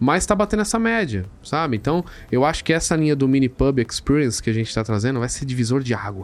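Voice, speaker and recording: A man with a medium-pitched voice talks at a very fast pace. His pitch swings very widely. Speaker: franchise founder and author. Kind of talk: interview conversation. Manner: calm, even tone.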